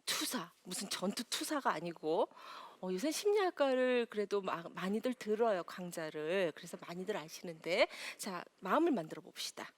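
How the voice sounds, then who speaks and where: A woman giving a lively lecture to an audience as a counselor, acting out quotes and laughing often. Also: mid-range voice, moderate pace, hardly any pauses.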